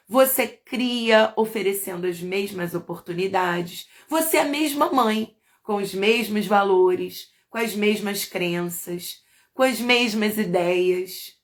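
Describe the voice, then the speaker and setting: Chatty Brazilian woman pastor. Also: medium pitch. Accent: Brazilian Portuguese. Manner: chatty, asks the audience questions, playful. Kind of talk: informal live church talk to women.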